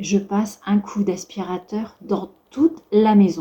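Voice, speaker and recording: With a dark, mellow tone, a woman talks at a medium pitch. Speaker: home cleaning vlogger. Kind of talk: casual tutorial to camera. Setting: living room at home, in front of sofa. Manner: soft-spoken, quiet so as not to wake husband; hesitant, many fillers.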